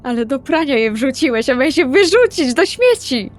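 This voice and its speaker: Girl doing an earnest young vampire woman, caring, kinda hesitant and guilty, soft music in the back. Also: high voice, sing-song, normal speed. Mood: patient, chiding. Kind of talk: improvised roleplay audio drama.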